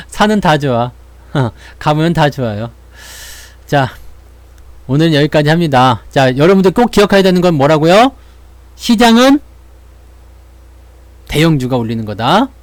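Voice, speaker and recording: A man with a voice on the high side hosts a stock market channel, chatting casually and playfully and acting out little voices. There's no room sound.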